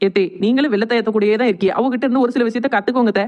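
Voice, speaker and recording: A woman's voice: fairly high pitch, very fast, muffled recording, close to an everyday voice. A woman voicing a cheeky, chatty young daughter-in-law in a cartoon comedy, teasing with mock innocence in a southern Tamil Nadu accent. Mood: mock-innocent. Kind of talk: cartoon comedy drama dialogue.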